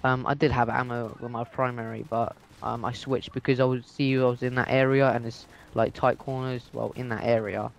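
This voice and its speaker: A teenage guy from England commentates on a video game as a guest. His mid-pitched voice stays quite monotone, and he speaks casually and hesitantly, matter-of-fact about what he plays. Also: normal speed, creaky, hardly any pauses. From England, moved from Dubai aged two.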